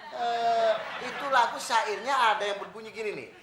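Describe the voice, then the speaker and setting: A man's voice: very high-pitched, normal speed. A man playing a boastful know-it-all young man, teasing his friend in Jakarta slang. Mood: mocking. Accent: Jakarta Indonesian. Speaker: comedian. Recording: echoey, noisy TV set.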